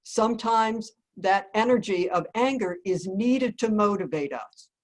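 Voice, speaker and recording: A wise, kindly old grandfather, put on by a woman in the middle of her story. He speaks slowly and patiently, gently teaching a child. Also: medium pitch, close to an everyday voice.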